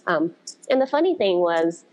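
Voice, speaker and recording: A woman's voice: lowish voice, big pitch swings, moderate pace, darkish tone, low-quality recording. A woman guest on a podcast interview, talking in a reflective, storytelling way about her background. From United States. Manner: reflective, storytelling, frequent "you know". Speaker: podcast guest, blues dance organizer. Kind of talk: conversational interview.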